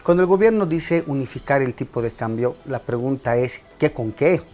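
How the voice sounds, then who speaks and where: A man who is a guest on a TV talk show, explaining exchange rates in a measured, analytical way. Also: medium pitch, lively intonation, a little mellow. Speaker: economist guest. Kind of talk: explanatory TV interview.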